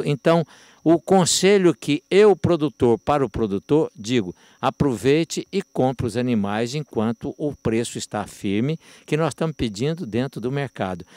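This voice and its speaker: A man with a Brazilian accent, lively intonation and a fairly slow pace, in a quiet background and a dry sound with no echo. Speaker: cattle breeder; cattle breeder at auction. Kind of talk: sales pitch. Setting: outdoors. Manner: warm and enthusiastic. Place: farm. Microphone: handheld.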